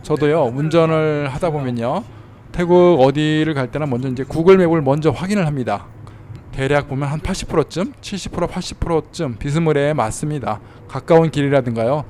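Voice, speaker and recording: A man's voice: a little high, darkish tone, slight background noise. Chatty man talking from the road. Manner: chatty, slows down to spell out pronunciations. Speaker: travel vlogger in Thailand. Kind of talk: casual explanatory talk. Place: inside a car while driving.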